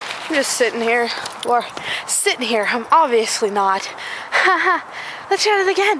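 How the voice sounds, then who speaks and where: The woman's pitch is high and swings very widely. She speaks at a fairly slow pace. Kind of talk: casual vlog talk while walking outdoors. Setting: outdoors. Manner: rambling.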